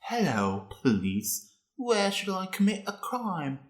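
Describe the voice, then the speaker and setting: A man's voice: sits high, huge pitch swings, slow, heavily acted. A man as an echoey, flippant prisoner. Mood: mocking. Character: flippant, mock-naive prisoner goofing on a recorder. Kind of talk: audio drama trailer acting. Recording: noisy, echoey, clicking recording.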